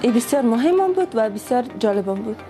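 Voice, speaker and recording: Fast, higher-pitched Afghan woman over music. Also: sing-song. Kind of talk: video testimonial.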